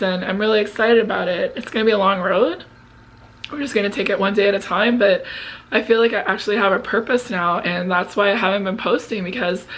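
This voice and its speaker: A woman's voice: mid-range voice, fairly bright tone, low-quality recording. A woman of about fifty talking casually and earnestly to her viewers in a confessional way. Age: 49, turning fifty. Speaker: vlog host. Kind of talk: casual personal chat to viewers.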